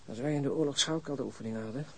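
An actor playing a low-key, wary detective in a radio drama, speaking in a subdued, matter-of-fact mutter. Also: male voice, racing, vocal fry, fairly bright tone, a little hiss or hum. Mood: uneasy, reluctant. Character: low-key, wary male police detective searching a flat.

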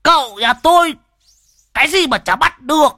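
A loud, boastful old sidekick in a ghost tale. The voice jumps far up into a shrill, leaping brag. It sounds close and dry. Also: male voice, lively intonation, normal speed, no echo, full character voice. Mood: boasting.

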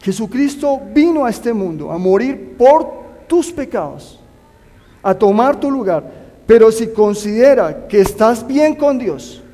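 A man's voice: very high-pitched, sing-song, a little slow, mellow. A man preaching a sermon, earnestly urging his listeners to put their trust in God. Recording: long hall reverb.

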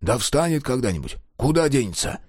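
A man voicing a nervous, gossipy warrior who talks in a hushed, conspiratorial way. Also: medium pitch, very animated, brisk, husky, no room sound, clean studio sound. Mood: evasive.

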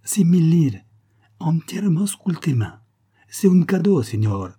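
A man's voice: on the high side, big pitch swings, measured pace, mellow, breathy edge, voice pushed up, exaggerated voice. A man voicing a courteous, insistent Italian jeweller, with an Italian accent and emphatic sales patter. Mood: insistent selling.

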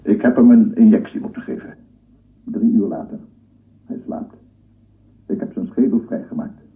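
A man's voice: lowish voice, normal speed, lightly acted. An actor playing an obsessive lone scientist in a radio play, cooing and murmuring repetitively as he does with his dog. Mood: brooding. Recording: echoey, distant, phone-like old radio recording.

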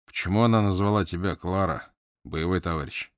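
A man voicing a hoarse, weary wounded lord. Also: low-pitched, a little fast, no echo, clean studio sound, close to an everyday voice. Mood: wry. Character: wounded captive English lord, weak, dry-humoured.

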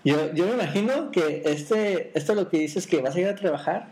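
A man's voice: high voice, normal speed, darkish tone, rough recording. A man hosting a casual podcast, teasing his co-host with playful jokes and frequent restarts. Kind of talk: casual joking chat.

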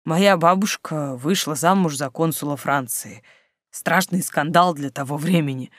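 Reader putting on a self-assured sporty teen boy: calm, firm, a touch lower, dry. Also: a little slow, no echo. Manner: calm, matter-of-fact.

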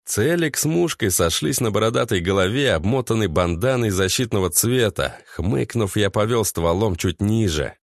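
A man giving steady, measured first-person audiobook narration. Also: fairly low pitch, no room sound.

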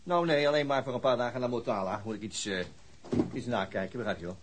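An actor playing an evasive, hesitant policeman in a radio drama, speaking haltingly. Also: mid-range voice, background noise, close to an everyday voice. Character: evasive, hesitant male policeman, reassuring a colleague.

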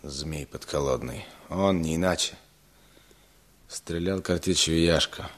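An actor playing a hard, brooding young peasant husband in a radio play, blunt and threatening in manner. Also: male voice, very deep voice, slow pace. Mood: vengeful.

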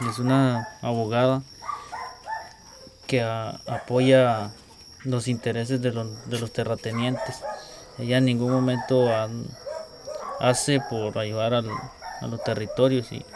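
Halting man in field interview. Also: mid-range voice. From Costa Rica. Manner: halting, repeats words while searching. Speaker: indigenous community spokesman. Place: outdoors in a rural community. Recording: outdoor field recording with clear background noise.

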